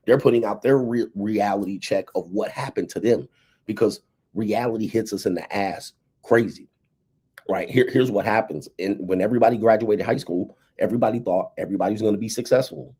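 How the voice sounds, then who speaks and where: A man's voice: lowish voice, dark tone, breathy edge. A man in his fifties giving casual, emphatic commentary on dating and relationships, often tagging his points with "right?" and "okay". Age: 50s.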